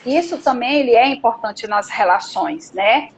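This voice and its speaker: A woman's voice: a little high, lively intonation, normal speed, slight background noise, rough recording. A woman guest, an educational psychologist, chatting casually and telling stories from her school work. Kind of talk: casual chat.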